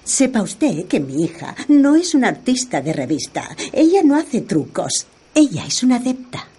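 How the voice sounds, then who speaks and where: A woman's voice: a little high, big pitch swings, normal speed, warm tone, slightly rough, heavily acted. An actress playing a proud, credulous middle-aged mother of a spirit medium, in a film dub. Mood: proud, brisk.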